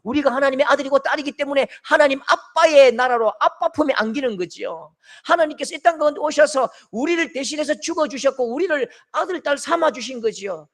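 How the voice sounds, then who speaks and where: High-voiced Gyeongsang pastor preaching dramatically. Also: male voice, expressive, brisk. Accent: Gyeongsang Korean. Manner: dramatic, acts out quoted voices with big swings from shouts to soft tender tones. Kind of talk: sermon.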